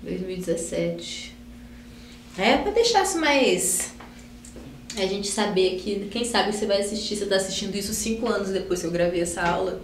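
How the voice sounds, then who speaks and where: A woman's voice: mid-range voice, animated, moderate pace. A Brazilian woman teacher giving a recorded online grammar class, chatty, often tagging "né?" and using cute diminutives as she writes on a board. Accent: Brazilian Portuguese. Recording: echoey room, faint hum.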